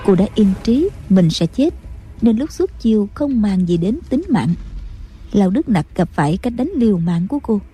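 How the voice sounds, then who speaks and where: A woman narrating a martial-arts novel as an audiobook in a steady storytelling voice. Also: medium pitch, moderate pace, husky. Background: faint music.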